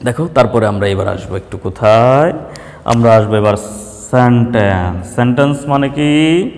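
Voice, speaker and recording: A Bangladeshi man teaching a primary school lesson, asking questions and answering them himself, sometimes drawing out examples slowly. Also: medium pitch, expressive, a little mellow, long reverb tail. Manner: slow, drawn-out dictation of examples. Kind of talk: online class lesson.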